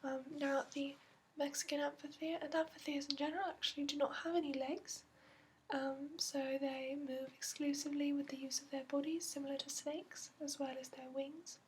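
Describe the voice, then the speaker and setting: High, soft whispery woman in ASMR roleplay. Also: flat delivery, a little hiss or hum. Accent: put-on accent. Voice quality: soft, breathy, often whispery. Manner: gentle, halting, unhurried explaining with many pauses. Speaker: ASMR roleplay host playing a dragon expert. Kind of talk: softly spoken ASMR roleplay, explaining like a guide.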